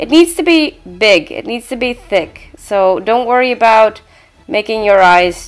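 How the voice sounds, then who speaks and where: Faint background music behind a woman's fairly slow delivery. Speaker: makeup tutorial maker. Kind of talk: tutorial. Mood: playful, light humor. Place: home room. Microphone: webcam.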